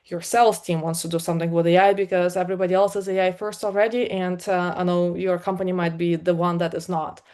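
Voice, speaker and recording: A middle-aged woman from Ukraine with a Ukrainian accent, giving a conversational conference talk as a product leader, with many fillers and an energetic delivery. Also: fairly low pitch, fast talker, hardly any pauses. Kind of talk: live talk to an online meetup.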